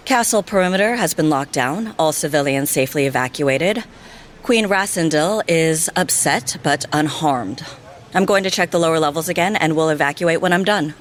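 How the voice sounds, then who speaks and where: An actress playing a stern senior female field agent in an audio drama, curt, deadpan and commanding. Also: sits low, moderate pace, slight background noise, natural voice. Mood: stern, brisk.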